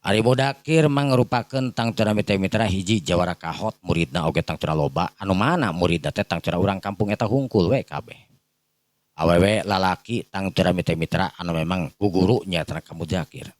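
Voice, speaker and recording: Male Sundanese storyteller, low-pitched and dry-recorded, improvising a rambling folk tale for listeners. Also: a little fast, no echo. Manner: rambling, repetitive filler phrases.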